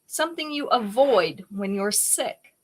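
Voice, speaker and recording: A woman's voice: medium pitch, expressive, measured pace, husky. A woman hosting a live-stream jewelry sale, chatting casually and greeting viewers by name as she shows each piece.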